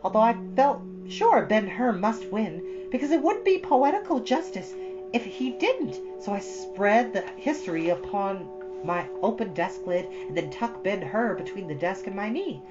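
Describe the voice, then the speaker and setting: A woman's voice: medium pitch, sing-song, a little slow, dull audio, over music. A woman voicing a chatty, earnest thirteen-year-old girl from a storybook, rambling with solemn drama. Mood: flustered. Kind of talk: storybook character reading.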